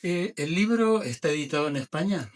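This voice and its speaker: A man's voice: a little high, lively intonation, a little fast. A man with an Argentine accent interviewing an author at a book presentation, asking short, casual questions. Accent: Argentine Spanish.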